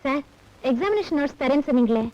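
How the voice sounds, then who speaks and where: A woman's voice: sits high, lively intonation, quick pace. An actress playing a polite young female college student visiting her teacher, in film dialogue. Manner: polite, then distressed. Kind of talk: 1980s Tamil film dialogue. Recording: dull film soundtrack with music.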